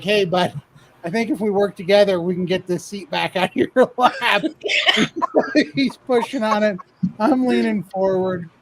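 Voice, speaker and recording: A man's voice: high-pitched, a little hiss or hum, rough recording. A man casually telling a funny story about himself, laughing often as he goes. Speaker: guest telling his weight-loss story.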